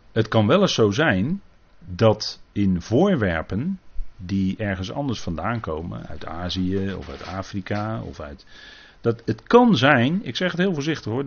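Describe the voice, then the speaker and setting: Earnest male preacher, muffled sound. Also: on the low side. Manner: frequent tag questions, earnest and cautious. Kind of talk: Bible teaching sermon. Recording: dull lo-fi recording.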